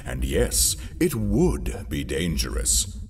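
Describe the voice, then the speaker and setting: An actor playing a calculating Imperial conspirator chairing a meeting, dry and deliberate, in an audio drama. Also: male voice, extremely low pitch, wildly swooping pitch, slight background noise, heavily acted. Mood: ominous, measured. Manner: deliberate, dry, theatrical pauses.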